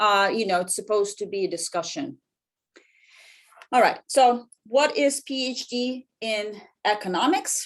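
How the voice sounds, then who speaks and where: A woman with a Russian accent, fairly high in pitch, with ordinary pitch variation. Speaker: economics professor. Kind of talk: lecture. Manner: casual, many fillers.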